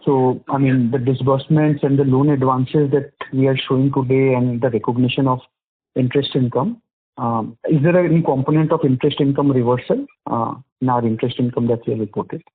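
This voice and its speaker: A man's voice: steady tone, fairly quick, slightly rough. An Indian-accented man asking questions as an analyst on an earnings call, phrasing them in a hesitant, roundabout way. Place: telephone conference call. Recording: muffled, low-fi conference phone line.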